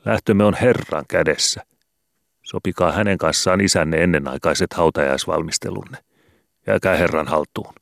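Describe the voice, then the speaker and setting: A man voicing a solemn rural pastor who speaks in a measured, pious and admonishing way, in an audiobook reading. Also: low voice, creaky, no room sound, clean studio sound. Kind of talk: audiobook character voice.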